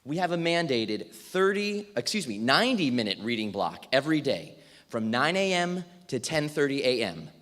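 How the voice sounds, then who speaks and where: A man playing an overworked, well-meaning fourth-grade teacher in a theatrical monologue, halting and emphatic, with asides. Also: medium pitch, sing-song, fairly bright tone. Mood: exasperated, earnest. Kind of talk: theatrical monologue, dramatic stage reading. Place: reverberant indoor hall at a live reading. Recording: echoey hall, music behind.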